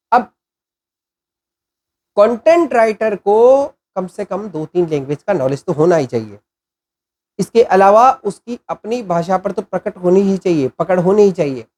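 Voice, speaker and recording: A man talks through an informal lesson at a measured, deliberate pace. He poses questions to his listeners and answers them himself, sometimes pausing to clear his throat. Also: sits high, darkish tone. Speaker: channel host explaining content writing.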